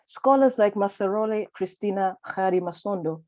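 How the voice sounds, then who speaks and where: A woman with a Malawian accent reading a prepared academic paper at a conference in a measured, formal and deliberate way over a video call. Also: medium pitch, a little mellow. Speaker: conference speaker.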